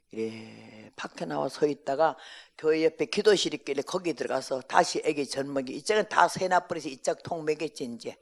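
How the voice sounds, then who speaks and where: An older woman missionary giving a testimony sermon, telling her story in a lively way and acting out the dialogue. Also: sits low, breathy edge.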